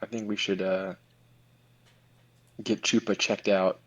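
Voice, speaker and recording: A man with a low voice, speaking as a player in a tabletop game. He asks stop-start questions that circle back on themselves. His voice comes through a dull, muffled microphone. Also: little pitch movement. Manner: halting, restarting questions. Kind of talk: casual game chat. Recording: muffled lo-fi mic.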